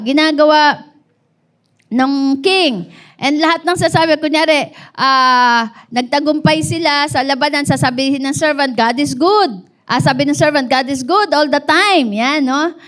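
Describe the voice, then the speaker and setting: A woman's voice: sits high, a bit bright. A woman pastor with a Filipino accent preaching a sermon, mixing Tagalog and English, telling a story with call-and-response to the congregation.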